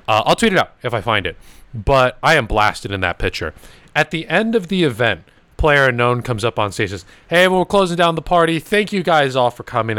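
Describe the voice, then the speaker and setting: A man's voice: medium pitch, no room sound. Swearing, laughing young man storyteller. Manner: swearing, laughing, animated anecdotes. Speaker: podcast host. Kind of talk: casual storytelling chat.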